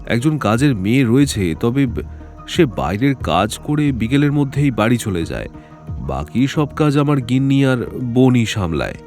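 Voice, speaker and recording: A man's voice: medium pitch, sing-song, a little slow, darkish tone. An actor playing an anxious middle-aged jeweller who fears he will be murdered, talking in a hesitant, worried way with faint music behind. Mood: explaining. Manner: hesitant, worried, explaining at length. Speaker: client. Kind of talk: Bengali audio drama acting.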